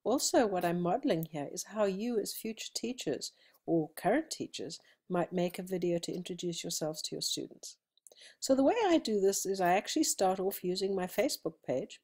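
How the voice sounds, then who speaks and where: A woman's voice: lowish voice, a little mellow. A middle-aged woman with a South African accent, introducing herself to her class in a conversational screencast, with frequent ums and restarts. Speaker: college instructor. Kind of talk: friendly self-introduction screencast. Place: indoors at a computer, seated. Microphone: webcam recording.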